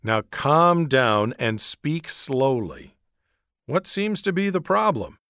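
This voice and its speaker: Man voicing a serious schoolboy scientist, raised pitch, careful, formal, storybook. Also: measured pace, dry recording, clean studio sound, full character voice. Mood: earnest. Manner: careful, formal, trying to sound calm. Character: serious earnest boy scientist, fifth grader.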